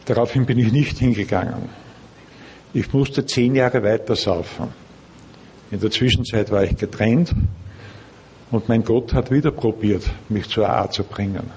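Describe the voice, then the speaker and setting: A man's voice: fairly low pitch, normal speed, a little mellow, dull audio. Austrian man speaking careful standard German. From Linz, Austria. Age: middle-aged or older. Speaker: speaker at a recovery meeting. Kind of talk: personal testimony to a group. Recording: background noise, room ambience.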